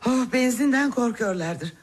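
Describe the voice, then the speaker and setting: An actress playing a worried, devout mother of grown daughters in a television drama, with a husky, breathy voice. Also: fairly high pitch, expressive, a little slow. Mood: weary, anxious.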